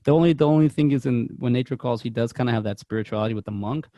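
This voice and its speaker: A man's voice: mid-range voice, very fast, mellow, dry recording. A man co-hosting a movie podcast, chatting casually with lots of restarts and laughter. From Mexican heritage. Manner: rambling, laughing, stumbling restarts. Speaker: podcast co-host. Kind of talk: casual chat about movies.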